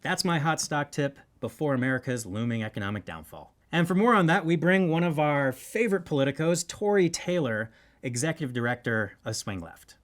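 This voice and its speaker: A man's voice: fairly high pitch, animated, fairly quick. A man hosting a satirical news show, delivering scripted political commentary in a wry, tongue-in-cheek way.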